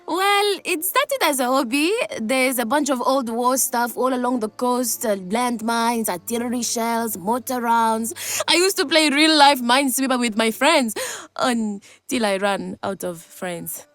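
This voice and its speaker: An actress voicing a manic, cheerful young woman in a video game, excitable and giggly, with a gleeful passion for explosives. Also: fairly high pitch, measured pace, soft background music. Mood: chatty, earnest. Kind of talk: video game character acting.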